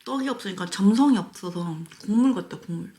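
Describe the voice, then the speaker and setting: A woman's voice: medium pitch, lively intonation, brisk, dark tone. A woman chatting casually to viewers as a mukbang vlogger, talking while chewing with her mouth often full, dropping in murmured, savoring asides. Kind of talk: casual eating-show chat to viewers. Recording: roomy echo, faint noise with clicks.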